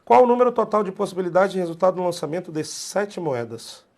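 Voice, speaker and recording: A man's voice: high-pitched, lively intonation, quick pace, creaky. A man with a Brazilian Portuguese accent teaching a math exam-prep lesson, blunt and emphatic, repeating key points in slangy talk.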